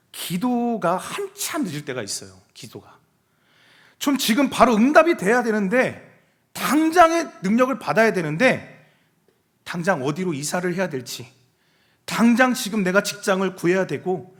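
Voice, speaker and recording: A man's voice: sits high, big pitch swings, moderate pace, a bit bright. A male junior pastor preaching a sermon, emphatic and often putting questions to the congregation.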